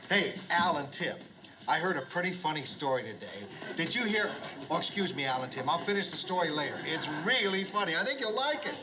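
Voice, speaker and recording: A gruff, middle-aged male bar owner who is trying far too hard to be lovable. His voice sits high for a man, and he bellows hearty, repeated greetings. It sounds like the noisy soundtrack of an old TV sitcom. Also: sing-song, brisk. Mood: forced cheer. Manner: hearty, pushy host banter, repeats himself. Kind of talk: 1970s sitcom acting.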